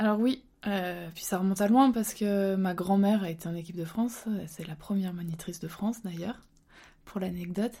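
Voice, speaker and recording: Recorded very cleanly against a silent background, a woman with a medium pitch and a dark, mellow, somewhat breathy tone speaks at a fairly quick pace, with ordinary pitch variation and big swings in loudness. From French Alps, Savoie. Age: 20s. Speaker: alpine ski racer. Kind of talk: casual interview. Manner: calm, composed; hesitant, many fillers.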